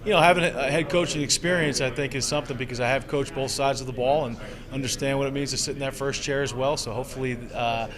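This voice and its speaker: A man's voice: medium pitch, steady tone, quick pace. A man giving conversational interview remarks as a coach, often repeating words. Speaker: assistant basketball coach. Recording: crowd noise behind voice.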